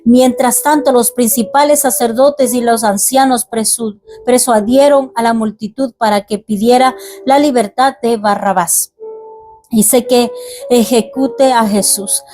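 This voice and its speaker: A woman's voice: on the high side, steady tone, mellow. Earnest woman reading scripture over music. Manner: reads aloud then reflects in halting, earnest commentary. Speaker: ministry teacher. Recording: faint music behind.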